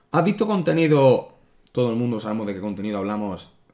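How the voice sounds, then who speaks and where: There is a quiet background as the man talks, his intonation lively. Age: 20s. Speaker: gaming youtuber; gaming content creator. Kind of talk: casual vlog monologue. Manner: hesitant, many fillers. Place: home room.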